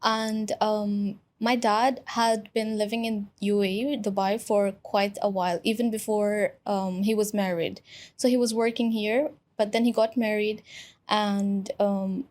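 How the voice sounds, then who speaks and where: Young woman from pakistan chatting in an interview, lots of "like", soft warm tone. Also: medium pitch, level tone, measured pace. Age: young adult. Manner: chatty, many "like" fillers. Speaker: guest, influencer. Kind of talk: casual interview conversation.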